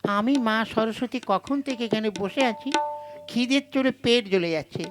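A performer plays an impatient, hungry goddess in a comic folk puppet show. She grumbles and scolds with indignant, earthy bluntness. Loud music sits behind her voice. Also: mid-range voice, normal speed, natural voice. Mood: impatient grumbling. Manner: grumbling, scolding, corrects sharply. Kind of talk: Bengali folk puppet comedy acting.

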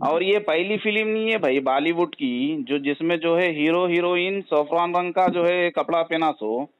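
A man's voice: a little high, moderate pace, clear, resonant tone. A man from Hyderabad with a Hyderabadi accent, arguing on a phone call in an insistent, persuasive manner and repeating his points. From Hyderabad, India. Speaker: caller. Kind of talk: argumentative phone conversation. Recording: dull, lo-fi recorded phone call.

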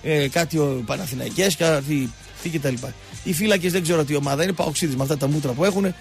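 With a slightly high, creaky voice, a man hosting a radio sports show tells mocking, animated stories about football and digresses often. Soft background music accompanies him in the radio studio recording.

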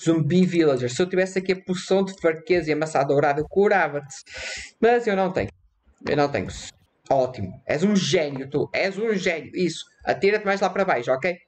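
A man with a European Portuguese accent giving casual, excitable let's-play commentary, repeating his phrases and breaking into quick panicky outbursts. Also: a little high, slight background noise. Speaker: gaming YouTuber.

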